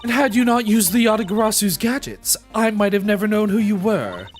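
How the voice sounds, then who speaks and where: A streamer voicing a taunting, theatrical female master thief with smug, drawn-out delivery in video game dialogue. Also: mid-range voice, expressive, faint music behind, natural voice. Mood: smug, menacing.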